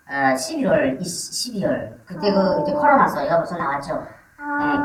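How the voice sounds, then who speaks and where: A guest from Korea, voice disguised by being pitched down, giving measured, matter-of-fact interview answers. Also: roomy sound, recorded from a distance, rough recording. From North Korea.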